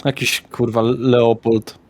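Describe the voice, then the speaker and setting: A man's voice: mid-range voice, little pitch movement, takes it slowly. A man playing a casual, streetwise dealer in a vampire underworld tabletop game, with curt colloquial speech. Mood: businesslike.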